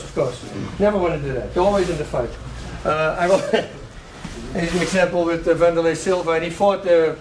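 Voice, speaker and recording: A high-voiced man coaches a striking class in a training gym. He counts out combinations with punch sounds and shouts cues to his students. He sounds far from the camera, in a roomy hall with faint noise behind him. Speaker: martial arts coach.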